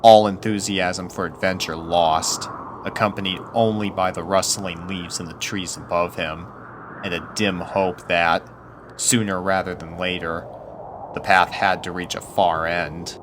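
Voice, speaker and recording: A man's voice: sits low, level tone, measured pace, noisy background. A man reading a spooky story aloud as a scripted narrator.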